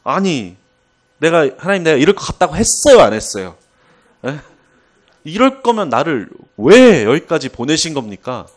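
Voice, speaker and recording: A man acting out an indignant male prophet who argues with God, loud and fast, while preaching. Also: fairly high pitch, very animated, voice pushed up, full character voice.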